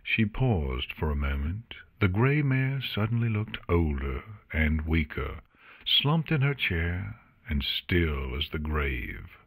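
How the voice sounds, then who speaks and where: Guy narrating a fantasy audiobook, kinda low n husky, expressive storytelling. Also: takes it slowly. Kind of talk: expressive scripted fiction narration.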